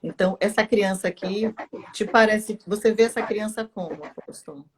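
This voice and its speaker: A woman's voice: mid-range voice, moderate pace, slight background noise. A woman, apostle and co-host, explaining steadily in a live religious teaching talk.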